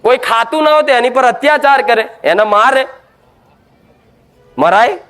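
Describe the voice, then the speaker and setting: A man's voice: very high voice, normal speed, a bit bright. A man preaching a devotional sermon, emphatic and scolding, full of rhetorical questions.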